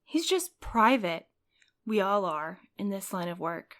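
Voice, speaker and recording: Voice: mid-range voice, very animated, unhurried, fairly bright tone. An actor voicing a cautious, rule-minded courier in an audio drama who worries and protests. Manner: anxious, protesting, a bit prim. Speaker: night courier Milo.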